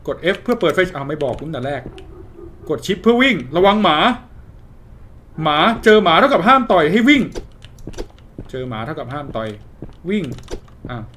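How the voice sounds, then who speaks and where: Male horror-game streamer, high and lively voice, crude and excitable, faint noise behind. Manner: crude, swearing, excitable reactions. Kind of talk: game commentary.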